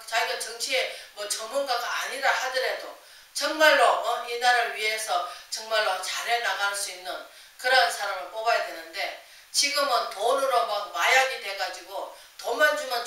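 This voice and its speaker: A woman's voice: on the high side, bright, forceful tone. A woman pastor preaching a sermon in a chatty style, asking rhetorical questions and acting out quoted voices. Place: church sanctuary. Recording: echoey church hall, voice from far off.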